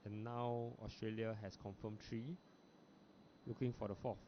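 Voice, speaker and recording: A man from Singapore with a Singaporean English accent, giving relaxed, chatty live commentary on a bowls match, with frequent fillers. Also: fairly low pitch, unhurried. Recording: lo-fi broadcast audio with background noise.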